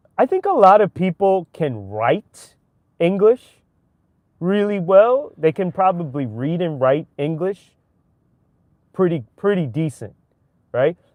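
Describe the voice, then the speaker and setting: A man with a strong New York accent speaks fairly slowly at a high pitch, with very wide pitch swings and long, frequent pauses, the sound dry and close with no echo against a quiet background. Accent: strong local New York. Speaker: livestreamer. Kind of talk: casual livestream chat. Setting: livestream. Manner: casual, halting with repetitions.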